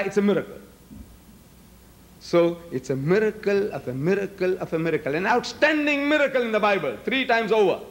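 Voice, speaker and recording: An older man whose first language is Gujarati, arguing emphatically at a podium in a large hall, firing rhetorical questions at the audience. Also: high-pitched. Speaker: debater. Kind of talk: public debate speech. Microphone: podium microphones.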